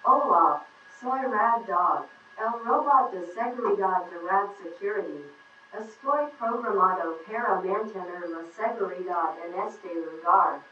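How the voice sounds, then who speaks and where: A synthetic female voice speaking for a security robot dog in a too-smooth android manner, calm, polite and formal, heard through a tinny speaker from far off in an echoey space. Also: medium pitch, measured pace, slight background noise. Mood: courteous. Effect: too-smooth android text-to-speech voice.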